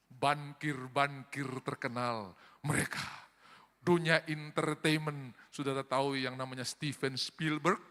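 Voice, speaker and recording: A pastor preaching a sermon, swinging between loud exhortation and quiet asides. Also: male voice, fairly high pitch. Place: large church hall. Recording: long reverb of a church hall.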